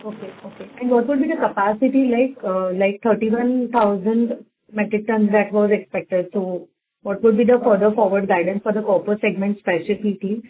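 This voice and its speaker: Woman analyst on a thin phone line. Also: medium pitch. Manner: wordy, halting phrasing. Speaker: analyst asking questions. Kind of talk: investor call questions. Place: conference phone call.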